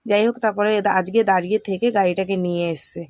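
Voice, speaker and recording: A woman's voice: medium pitch, fairly even intonation, quick pace, a little mellow, dry recording. A middle-aged Bengali-accented woman chatting to viewers about her household chores in a casual home vlog. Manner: chatty, addresses viewers directly. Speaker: home vlogger. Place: small home, indoors.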